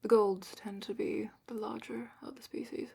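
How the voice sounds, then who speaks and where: A woman playing a calm, thoughtful dragon curator in a whispered ASMR fantasy roleplay, speaking softly and breathily with measured, musing pauses. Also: a little high, creaky, slightly rough, full character voice. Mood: thoughtful, cautioning.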